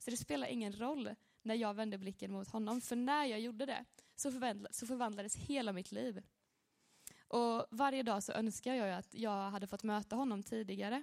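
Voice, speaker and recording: A woman with an unremarkable speaking voice, a fairly high pitch, ordinary pitch variation and a fairly quick pace. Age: 20s. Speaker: church speaker giving testimony. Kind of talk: testimony. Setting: church service.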